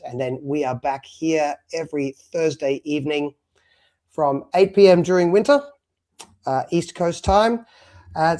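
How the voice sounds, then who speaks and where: Casting: rambling male podcast co-host, slightly high voice, loose and chatty. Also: dark tone. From abroad, moved to Australia at three. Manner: chatty, rambling with many fillers. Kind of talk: casual live stream chat.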